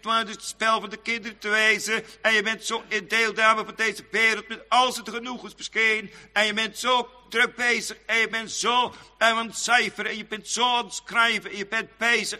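High, piercing preacher in a reverberant church. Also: male voice. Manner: fervent, repetitive preaching, swinging between loud exclamations and hushed low asides. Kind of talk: sermon.

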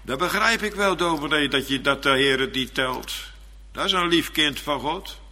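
A man's voice: on the high side, moderate pace, pushed and bright, pitched above the performer's own voice, full character voice. A man voicing a humble churchgoer who pleads with the minister and doubts his own worth. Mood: pleading. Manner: pleading, self-deprecating. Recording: long church reverb.

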